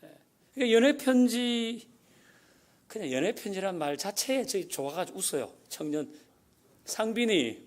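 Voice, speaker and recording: A middle-aged male pastor giving a folksy sermon, asking the congregation questions as he teaches. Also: high voice. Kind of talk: sermon teaching on Bible reading.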